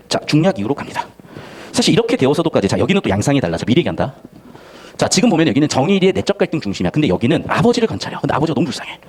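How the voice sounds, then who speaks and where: A man's voice: a little high, a little mellow. A man teaching a literature lesson to students, talking bluntly in slang and acting out the characters' lines. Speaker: Korean language and literature tutor. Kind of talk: lively lecture to students.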